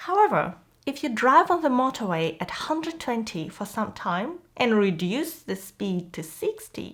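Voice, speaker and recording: A woman with a Russian accent speaks fairly slowly at a fairly high pitch, her voice making very wide pitch swings. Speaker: English exam tutor. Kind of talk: tutorial.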